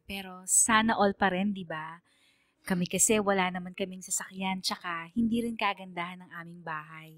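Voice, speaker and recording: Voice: mid-range voice, no room sound, clean studio sound, lightly acted. An actor playing a young gay male student who narrates his love story to a radio DJ in a playful, confiding way. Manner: chatty, playful, self-flattering. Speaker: letter sender narrating to a radio DJ. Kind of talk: confessional first-person radio drama narration.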